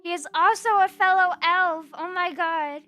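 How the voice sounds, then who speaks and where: Woman streamer, high and bright, playful rambling chat over soft background music. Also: steady tone, moderate pace. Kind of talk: casual chat reading stream chat.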